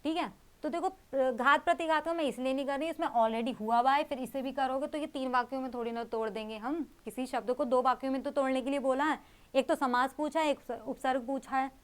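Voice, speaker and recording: A woman's voice: high voice, fairly quick, clear, resonant tone. A young woman teaching an exam-prep grammar lesson, explaining with rhetorical questions and repeating key terms.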